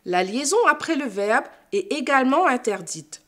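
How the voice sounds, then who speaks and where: A woman's voice: high voice, animated, fairly bright tone. A woman teacher giving a scripted lesson, explaining carefully and didactically. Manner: slow, careful, didactic delivery. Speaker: French teacher.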